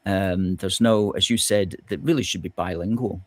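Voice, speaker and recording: A man hosting a political discussion, measured and questioning, with hesitant fillers. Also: deep voice, steady tone, no room sound. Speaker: host.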